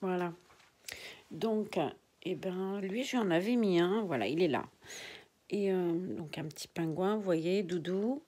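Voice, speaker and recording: A woman's voice: on the low side, measured pace, mellow, husky. An older woman chatting casually to her viewers from a nursery room at home, rambling and often dropping to a whisper. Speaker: reborn doll collector vlogger.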